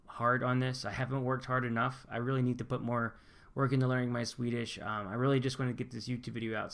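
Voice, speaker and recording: Casually chatting on his channel, a young American from Pennsylvania reads out what viewers have commented and answers with easygoing, upbeat restarts. His medium-pitched voice sounds smooth and a bit bright.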